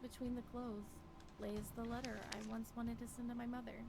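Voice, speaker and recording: A woman playing a lonely, regretful wife in a visual novel, wistful and brooding, with deliberate phrasing. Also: fairly high pitch, little pitch movement, a little mellow. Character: Violet, lonely regretful wife wandering a forest. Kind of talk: scripted visual novel monologue. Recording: clearly noisy, with ambience behind.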